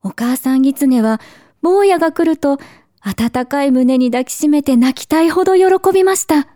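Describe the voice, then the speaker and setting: High, mellow woman reading a storybook. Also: dry recording, clean studio sound. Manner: gentle, measured storytelling. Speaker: narrator.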